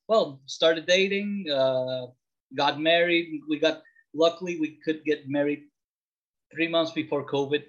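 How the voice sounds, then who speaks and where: A man's voice: on the high side, unhurried. A man from the Dominican Republic, around forty, talking about himself casually as an interview guest. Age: late 30s or older. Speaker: podcast guest. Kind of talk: casual interview, personal storytelling. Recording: slightly dull, lo-fi audio.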